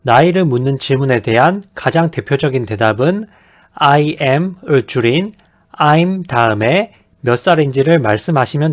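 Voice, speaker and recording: A man giving a scripted beginner English lesson in a measured, polite, explanatory manner. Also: mid-range voice. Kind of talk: scripted instructional narration.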